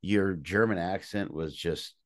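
A man hosting a podcast interview, teasing his guest with playful deadpan jokes. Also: sits low, measured pace, no room sound, clean studio sound. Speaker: podcast host. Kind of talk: joking interview chat.

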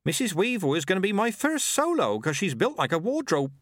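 A man's voice: high voice, huge pitch swings, normal speed, sharp tone, slightly rough, no room sound, clean studio sound, pitched above the performer's own voice, heavily acted. A man voicing a young, eager village witch and midwife, chatty and flustered.

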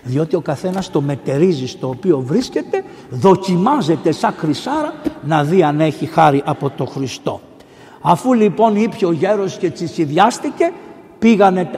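A man, a priest, delivering a lively, colloquial sermon, swinging between loud exclamations and hushed asides. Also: high voice. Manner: colloquial, storytelling. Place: large church. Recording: echoey church with long reverb.

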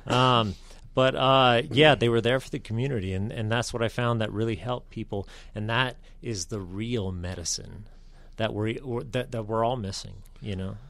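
A man speaking as a guest on a talk show, with a halting delivery full of fillers and restarts. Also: fairly low pitch, gravelly, fairly bright tone, no echo. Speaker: veteran advocate guest. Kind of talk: casual radio talk.

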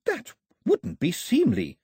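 A prim and proper young girl, earnest and a little indignant, played by a man lifting his voice. Her lines have lively, swinging pitch. The voice is slightly husky and dry. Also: moderate pace, no room sound.

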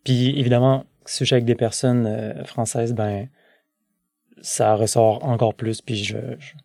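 A man in his thirties from France, speaking with a Québécois accent, a guest in a casual interview who talks haltingly with many restarts and fillers. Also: mid-range voice, flat delivery, creaky, darkish tone, dry recording, clean studio sound. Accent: Québécois French. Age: 30s.

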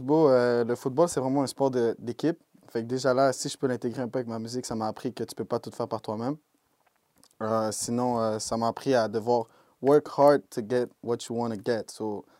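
Easygoing and in no rush, this young Québécois interview guest, a rapper, peppers his casual talk with English slang such as "bro" and "yo." His warm, mellow mid-range voice keeps fairly even intonation, and the close recording is dry.

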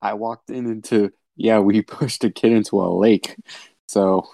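A man's voice: lowish voice, steady tone, a little slow, warm tone, no echo. A man in casual podcast banter, talking in slang and egging his friends on. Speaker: podcast co-host.

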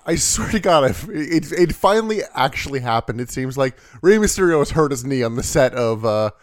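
A man's voice: mid-range voice, lively intonation, fairly quick, dry recording, clean studio sound. A man hosting a podcast, explaining things in a casual, joking, swearing way. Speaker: podcast host. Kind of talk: casual chat.

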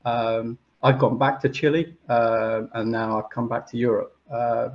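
A man's voice: mid-range voice, flat delivery, a little slow, dull audio. A man from the United Kingdom, a guest on a podcast, speaking in a hesitant way with many fillers over a video call. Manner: hesitant, many uhs and ums. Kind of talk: casual interview chat.

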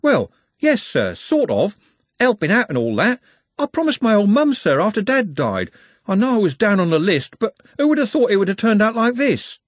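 A man's voice: sits high, sing-song, moderate pace, dry recording, pitched above the performer's own voice. A man voicing an earnest, stubborn young working-class man in an audiobook, blurting out his protests. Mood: flustered protest. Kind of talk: audiobook character voice.

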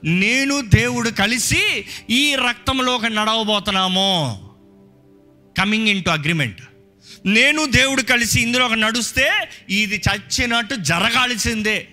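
A man pastor preaching an animated sermon to a congregation, dropping English phrases in. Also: very high-pitched, slow, long pauses, faint music behind.

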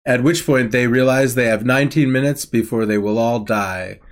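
A man's voice: mid-range voice, moderate pace. Male co-host, casual and wry, laughs through his recap. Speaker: podcast co-host. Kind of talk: casual episode recap chat.

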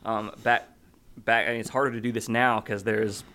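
A man co-hosting a casual podcast, speaking in a relaxed, hesitant way with many restarts. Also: on the low side, normal speed. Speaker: podcast co-host.

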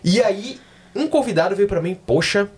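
A man's voice: high voice, lively intonation, moderate pace, a little mellow, husky. A man who works as a wedding celebrant, chatting casually on a podcast and telling stories with jokes and swearing. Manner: storytelling with joking asides and swearing. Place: in Australia.

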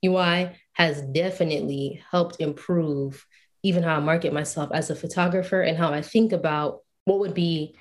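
A woman speaks as a podcast guest in an animated, emphatic manner. Her voice sits a little low for a woman. She talks in a relaxed, conversational way. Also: moderate pace. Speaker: guest, UI/UX designer and photographer. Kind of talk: casual podcast interview.

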